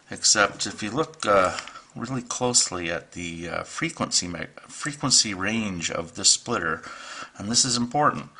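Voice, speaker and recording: Easygoing middle-aged man with a bright tone. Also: lowish voice. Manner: relaxed, hesitant with many ums and restarts. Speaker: radio hobbyist demonstrating gear. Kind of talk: casual how-to video. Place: home radio room, at a table.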